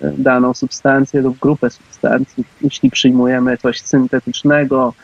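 A man speaking as a radio guest, explaining things informally in a measured, hesitant way with many pauses. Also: medium pitch, little pitch movement, gravelly, dry recording. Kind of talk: informal explanatory interview talk. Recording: dull, dry call audio.

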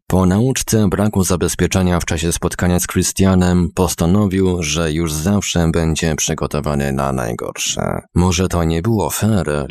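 A man reading a novel aloud as narrator, measured and even. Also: low voice, creaky, no echo, studio quality.

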